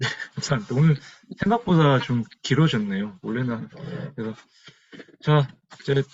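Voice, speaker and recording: A man at a moderate pace, with lively intonation. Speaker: writing instructor. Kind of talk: online writing class. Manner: blunt, curt tone.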